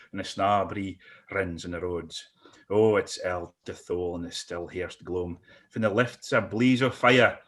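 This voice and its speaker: Male poetry reciter, Doric accent, slightly low pitch. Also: a bit bright. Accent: Doric, North East Scotland.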